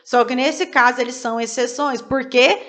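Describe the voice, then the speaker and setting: A woman's voice: high voice, moderate pace, fairly bright tone. A woman teaching a video lesson, explaining step by step, asking and answering her own questions and spelling out letters one by one. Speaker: English teacher.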